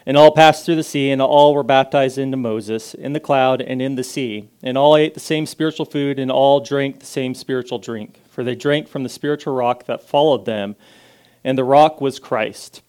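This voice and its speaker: Casting: man, guest preacher, loud and casual, clear and smooth tone. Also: mid-range voice, steady tone, moderate pace. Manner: loud, casual and self-deprecating, reads scripture with rising emphasis, prays softly. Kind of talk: informal sermon with scripture reading and prayer.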